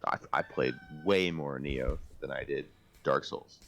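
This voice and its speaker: A man's voice: a bass voice, unhurried, creaky, fairly bright tone, a little hiss or hum. A man co-hosting a casual podcast, talking about video games in an emphatic, enthusiastic way. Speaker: podcast co-host. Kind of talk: casual video game discussion.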